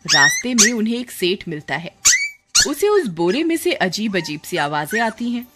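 Expressive woman narrating a story. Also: mid-range voice, moderate pace, loud music behind the voice.

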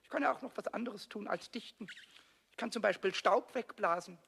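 A man voicing a small, cheeky, childish kobold in a children's radio play, squeaky, boastful and melodramatic. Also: fairly quick, creaky, fairly bright tone, slightly rough, heavily acted. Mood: defiant, cheeky. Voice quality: squeaky, screechy.

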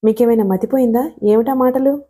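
A woman's voice: on the high side, fairly even intonation, fairly quick, dark tone, slightly rough. A woman voicing a loving, anxious young wife who speaks earnestly and reproachfully.

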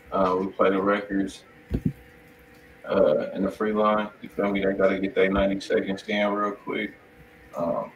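An American man with a low voice hosts a music livestream in casual slang. He sounds a little distant from the mic, in an echoey room with faint noise. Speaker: music review show host.

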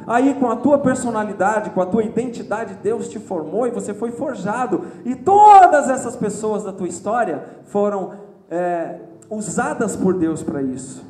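High-voiced lively male preacher. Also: roomy sound. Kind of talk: sermon. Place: church.

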